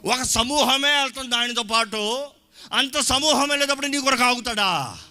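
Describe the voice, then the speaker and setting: Male pastor, high lively voice, bursts of shouting, live church sermon recording with music under it. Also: moderate pace. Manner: shouting, mixing Telugu with English phrases. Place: church hall.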